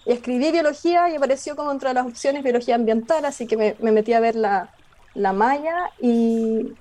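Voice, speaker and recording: A young Chilean woman, a biologist, answering interview questions in a thoughtful, halting way with many fillers and restarts. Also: a little high, mellow. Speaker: biologist guest. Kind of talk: radio interview conversation.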